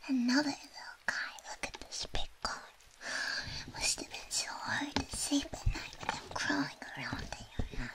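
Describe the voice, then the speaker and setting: A woman in a whispered role-play as a quirky, soothing, slightly shady surgeon, talking gently and playfully as if giving personal attention. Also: high voice, very animated, moderate pace, rough recording. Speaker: ASMR performer playing a doctor.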